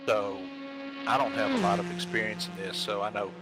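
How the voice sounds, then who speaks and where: Folksy low-voiced man chatting. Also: wildly swooping pitch, brisk, over loud music. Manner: folksy, chatty, repeats phrases. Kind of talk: casual online voice chat. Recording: online voice chat over loud background.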